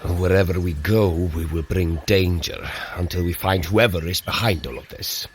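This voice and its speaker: An actor playing a hearty, earnest, protective warrior god in a scripted audio drama, with a husky voice and formal archaic diction. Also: male voice, normal speed, a little hiss or hum, natural voice. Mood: wary. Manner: formal archaic diction, booming when rallying.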